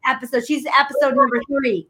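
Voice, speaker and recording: A woman hosting a podcast, bubbly and excitable, chatting with her guest over a video call. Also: high-pitched. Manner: bubbly, excitable, quick laughs. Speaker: podcast host. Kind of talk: casual interview chat.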